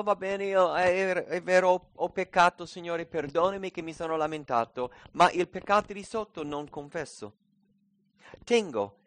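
A man's voice: on the high side, no room sound. A man preaching a sermon in an earnest way, his voice rising to stress scripture. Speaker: pastor.

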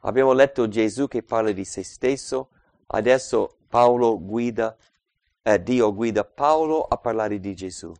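A man preaching a Bible study, reading scripture aloud and explaining it, swinging between loud emphatic passages and quiet asides. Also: lowish voice, unhurried, no echo. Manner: reads scripture aloud and explains it, calling out verse numbers.

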